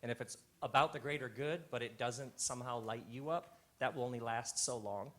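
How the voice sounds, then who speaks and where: A man hosting a live stage talk, a reflective storyteller who drops soft on his key lines. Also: medium pitch, a little fast. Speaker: host. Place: live theater stage before an audience.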